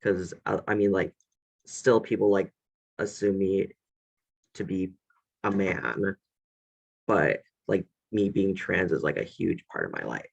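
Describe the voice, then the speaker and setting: Young male student panelist, very low and gravelly, halting and filler-heavy; muffled webinar audio. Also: animated. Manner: hesitant, heavy on filler words. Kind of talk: casual panel discussion. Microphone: video call.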